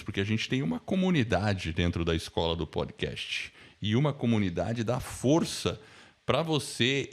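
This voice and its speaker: A man with a Brazilian accent hosting a casual online class in an informal, chatty way, often tacking on tag questions. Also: medium pitch. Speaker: host, podcasting teacher. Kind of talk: casual live online class chat and promotion.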